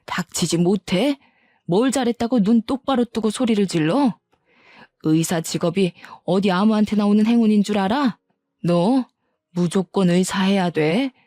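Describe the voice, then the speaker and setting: Woman narrator as bossy older mother-in-law, low mellow voice, scolding harshly. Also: normal speed, dry recording, studio quality, lightly acted. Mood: furious scolding. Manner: shrill scolding, harsh insults.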